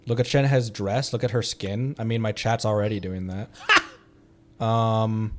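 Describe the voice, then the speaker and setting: A man streaming a game from home, chatting casually, excitable and rambling, laughing often as he talks. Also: lowish voice, a little slow. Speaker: VTuber streamer. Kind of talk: casual gameplay chat.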